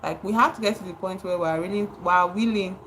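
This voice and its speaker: A woman's voice: medium pitch, brisk, a bit bright, a little hiss or hum, poor audio. A Nigerian woman livestreaming, speaking with passion, repeating words for emphasis and greeting her chat viewers. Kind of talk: live stream commentary.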